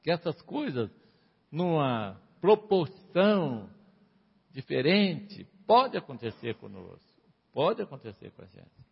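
A man's voice: a little high, big pitch swings, takes it slowly, creaky, slightly rough. Emphatic preacher man in a reverberant hall. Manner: emphatic, rises and falls sharply, asks the congregation for amens. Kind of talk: sermon, reading and explaining scripture. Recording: dull lo-fi sound with long hall reverb.

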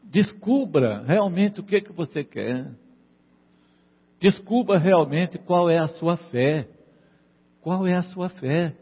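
A man's voice: high-pitched, lively intonation, slow, pauses often, breathy edge, long reverb tail, lo-fi sound. A man preaching a sermon in a church. He repeats his lines for emphasis and keeps asking the congregation "amen?". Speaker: pastor.

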